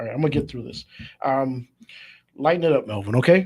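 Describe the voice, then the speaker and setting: Somewhat breathy, a man talks with ordinary pitch variation on a very clean recording with a silent background. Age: 60s. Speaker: radio talk show host. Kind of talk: community radio talk show. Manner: hesitant, many fillers.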